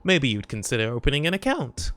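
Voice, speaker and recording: A man's voice: medium pitch, wildly swooping pitch, fairly quick, fairly bright tone, pitched above the performer's own voice. A man voicing a chatty, polite old lady banker creature from a video game, with a genteel salesmanlike patter. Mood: courteous, salesmanlike.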